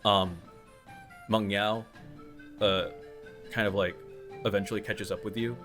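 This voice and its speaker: Low-voiced man narrating a tabletop game. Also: steady tone. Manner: halting, conversational, thinking aloud. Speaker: game master. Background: music.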